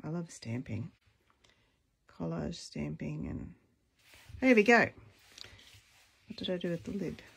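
Slow, gravelly-voiced woman crafting. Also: very animated, a bit bright. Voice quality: deep, husky voice. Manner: chatty, thinks aloud while crafting. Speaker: craft video host. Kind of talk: casual stamping tutorial chat.

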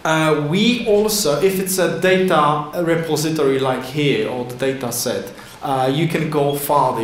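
A man's voice: medium pitch, a little hiss or hum. Man presenting in an echoey hall. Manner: halting non-native English with many fillers and restarts. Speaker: conference presenter. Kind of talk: conference talk with slides. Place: large indoor conference hall. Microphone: lectern microphone at a podium. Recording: echoey hall with faint ambience.

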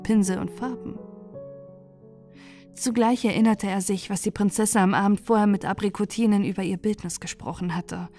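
A woman narrating a fairy tale for falling asleep, reading softly and gently. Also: mid-range voice. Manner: soft, gentle, unhurried reading. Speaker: audiobook narrator. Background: faint music.

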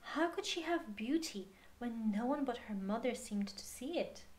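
A woman reading a picture book aloud to children in a measured, expressive way with pauses. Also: on the high side. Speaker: storyteller.

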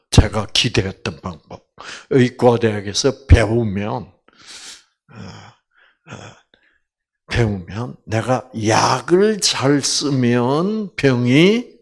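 An older man, a doctor, giving a storytelling lecture about healing, acting out quoted voices and dropping to near-whispers. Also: mid-range voice. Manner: slow and animated, acts out quoted voices, drops to near-whispers.

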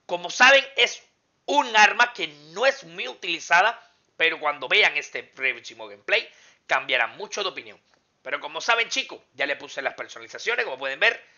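Excitable high-voiced gamer. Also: male voice, moderate pace, lo-fi sound. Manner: exclamatory, talks to viewers and enemies while playing. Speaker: mobile game streamer. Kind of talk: excited gameplay commentary.

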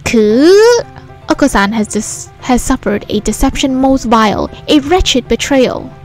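A woman's voice: sits high, lively intonation, unhurried, a little mellow, soft background music. A woman voicing a hyper, indignant male pigeon in a visual novel, declaiming bombastically in the third person between coos. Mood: outraged. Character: hyper, melodramatic male fantail pigeon, indignant about pudding.

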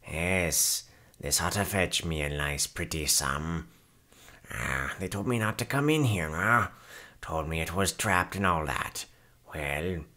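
A man's voice: low-pitched, sharp tone, heavily acted. A man in his thirties voicing a shifty, cheerful graverobber, muttering to himself with relish in a character demo.

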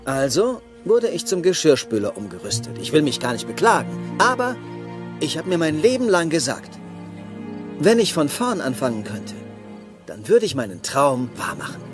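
Fretful, loving middle-aged robot dad male actor, animated film, very lively pitch swings, hesitant and earnest, music behind. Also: lightly acted. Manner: hesitant, earnest, halting starts. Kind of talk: children's animated film dialogue.

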